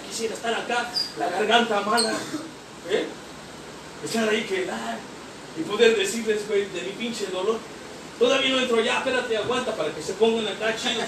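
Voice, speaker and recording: A man with a Mexican accent speaks in a strikingly high voice, giving a fervent, cursing testimony from a podium and tossing in "eh?" after his points. The sound comes from far off in an echoing hall. Steady noise runs underneath. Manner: profane, rhetorical, keeps tagging lines with slang and "eh?". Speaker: speaker sharing at a recovery group meeting. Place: meeting hall. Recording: echoey hall, recorded from afar, noisy.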